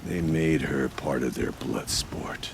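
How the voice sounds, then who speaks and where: An actor playing a stern, burdened tribal warrior chieftain who speaks solemnly and tersely in a video game. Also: male voice, a bass voice, slow pace, gravelly, a little hiss or hum, heavily acted. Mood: bitter, sorrowful. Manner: solemn, terse, weighty formal phrasing. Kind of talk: dramatic video game acting.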